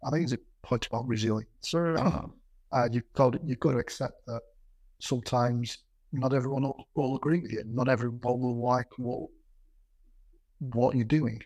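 Husky middle-aged man with a stammer. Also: medium pitch, normal speed, a little mellow, dry recording. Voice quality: stammer, repeating sounds and words. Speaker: business executive being interviewed. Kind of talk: reflective conversational interview with anecdotes.

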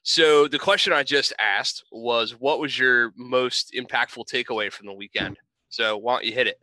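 A man hosting a casual podcast chat, upbeat and joking with quick asides, speaking into a headset. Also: mid-range voice, sharp tone, dry recording. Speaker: podcast host and firearms instructor.

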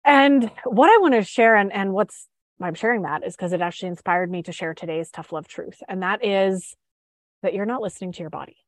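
A woman's voice: mid-range voice, a little fast, no room sound. A chatty woman hosts her show from home, talking to live viewers with lots of fillers and restarts. Her voice is stuffed up from a head cold. The sound is close and dry, with no room around it. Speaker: podcast host and sugar freedom coach. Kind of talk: casual live-stream talk.

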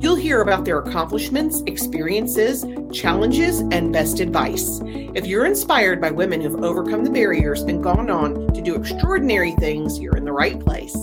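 A woman reading a scripted podcast intro in a polished, measured way. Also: on the low side, very animated. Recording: loud guitar music behind.

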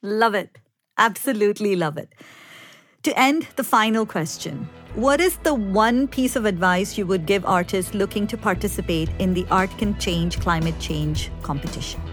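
A woman's voice: mid-range voice, soft background music. A woman whose first language is Sindhi, hosting an interview with eager, upbeat praise. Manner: enthusiastic, quick to praise. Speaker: podcast host.

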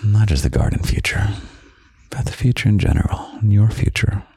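A young man hosting a podcast of gentle, half-whispered comfort talk, slow and soft with quiet chuckles, close to the microphone. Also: on the low side, animated, creaky, breathy edge. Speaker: podcast host.

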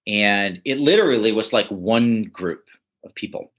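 A man who writes and teaches comedy, telling stories in a relaxed interview, often chuckling and restarting his sentences. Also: fairly low pitch, a little slow. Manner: animated, chuckling, many restarts. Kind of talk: casual interview storytelling.

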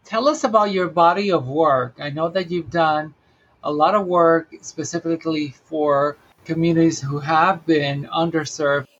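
A woman's voice: low-pitched, measured pace. A woman co-hosting a podcast, speaking in a formal, ceremonial style on a dull recording. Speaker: podcast co-host. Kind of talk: ceremonial podcast introduction and interviewing.

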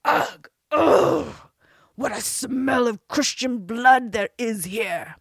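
A woman voicing a huge, gruff male giant who bullies and shouts slowly, with a breathy voice. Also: expressive, no echo, studio quality. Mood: roaring suspicious. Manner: slow booming shouts.

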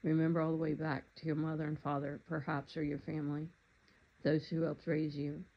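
Guided meditation voice, calm, unhurried, even pitch, dull lo-fi sound. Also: creaky. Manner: calm, unhurried, gently instructive.

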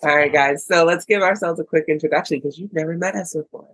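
A woman's voice: low-pitched, quick pace, dry recording, low-quality recording. An American woman co-hosting a casual podcast chat, chatty and playful. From United States. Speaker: podcast co-host.

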